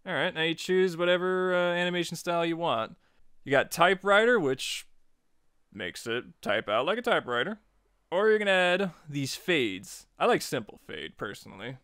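Clear-voiced man giving a casual tutorial. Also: fairly high pitch, lively intonation, moderate pace, fairly bright tone, no echo, studio quality. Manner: chatty, informal step-by-step instructing. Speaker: tutorial host. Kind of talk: casual software tutorial narration.

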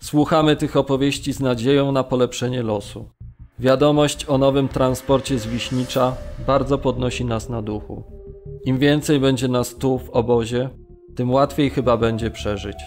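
An actor reading as a Polish camp prisoner bearing witness in an audio drama, sombre, earnest and measured. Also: male voice, medium pitch, fairly even intonation, darkish tone, natural voice. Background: music.

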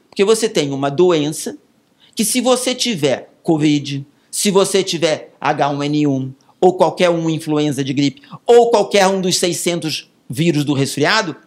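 This pulmonologist, a man with a Brazilian Portuguese accent, has a fairly high-pitched voice. Answering an interviewer's questions, he takes his time and illustrates his points with vivid everyday examples.

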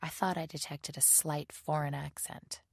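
A woman reading a novel aloud as a measured, subdued first-person audiobook narration. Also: sits low, level tone, gravelly, husky, dry recording, clean studio sound. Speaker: audiobook reader.

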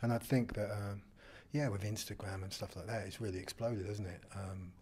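A man's voice: on the low side, fairly even intonation, normal speed, darkish tone. A man answering thoughtfully with frequent ums as a guest in a festival press-room interview, speaking into a handheld mic. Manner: thoughtful, hesitant with many ums. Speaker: actor being interviewed. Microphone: handheld mic held by interviewer.

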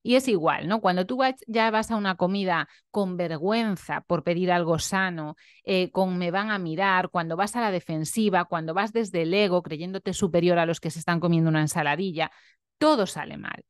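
A young nutritionist speaks earnestly and openly in a reflective personal vlog, often tacking on tag questions. Her voice is low-ish, clear and resonant at a normal speed, captured in a dry, clean studio recording.

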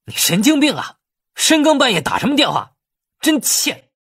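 Man acting a husky, irritable young schemer. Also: very high-pitched, wildly swooping pitch, moderate pace, fairly bright tone, pitched above the performer's own voice, exaggerated voice. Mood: furious. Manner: colloquial, grumbling. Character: wily, irritable, world-weary young man in crime novel.

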